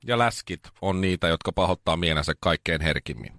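Low-voiced man chatting on radio. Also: a bit bright, dry recording. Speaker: radio show co-host. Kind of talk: casual radio chat.

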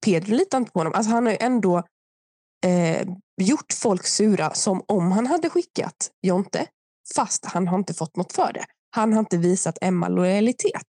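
Mellow-voiced young woman podcaster. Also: medium pitch, animated, no room sound, studio quality. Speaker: podcast host. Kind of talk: casual chat and reality show commentary.

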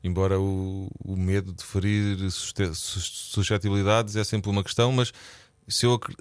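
A man's voice: low voice, little pitch movement, normal speed, dry recording, clean studio sound. A Portuguese man with a European Portuguese accent, a musician guest in a radio interview, talking hesitantly and thinking aloud with many restarts. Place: radio studio.

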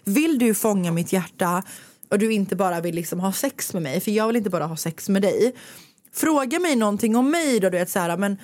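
A woman's voice: medium pitch, no echo. Chatty woman telling a story. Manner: animated storytelling, acting out quotes. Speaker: podcast host. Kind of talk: casual chat.

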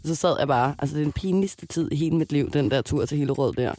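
Young woman radio host, chatty and animated, dry close sound. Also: sits low, no echo. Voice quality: lively, animated, laughs a lot. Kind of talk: casual storytelling chat.

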